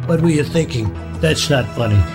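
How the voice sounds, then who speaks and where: A man playing a stern male boss with a clipped, deadpan manner. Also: fairly high pitch, a little fast, music in the background, voice pushed down, natural voice.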